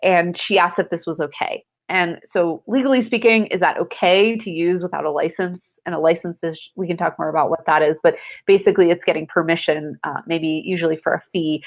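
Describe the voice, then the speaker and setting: A congested woman speaking as a guest attorney in a casual video chat interview, friendly and quick to laugh. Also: fairly low pitch. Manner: friendly, laughs often, many ums. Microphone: video call. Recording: lo-fi video call audio.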